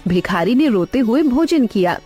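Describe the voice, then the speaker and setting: A woman narrating a cartoon story in an expressive, dramatic way. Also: on the high side, normal speed, husky, soft background music.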